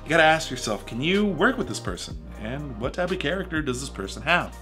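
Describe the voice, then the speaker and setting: A man's voice: a little high, brisk, over loud music. A man in his thirties, a home renovation vlogger, giving jokey scripted advice to camera from a small home studio. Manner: animated, jokey, gestures widely with his hands.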